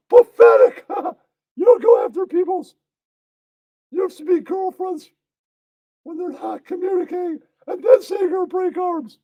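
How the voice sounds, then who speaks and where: A man voicing a high-pitched, giggly puppet heckler who gleefully taunts and insults in a puppet show. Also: unhurried, no room sound, phone-quality sound. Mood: taunting, worked up.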